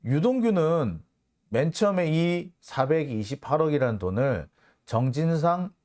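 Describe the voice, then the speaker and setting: Male reporter-host for commentary reads, emphatic and chatty, lively voice sitting slightly high. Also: unhurried. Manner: animated, emphatic, conversational. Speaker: host and legal affairs reporter. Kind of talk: commentary on court records.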